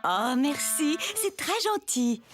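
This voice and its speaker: A kindly, cheerful cartoon teacher, high and very expressive. She speaks slowly with enthusiasm. Loud music plays behind her. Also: heavily acted. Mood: delighted. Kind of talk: children's cartoon dialogue.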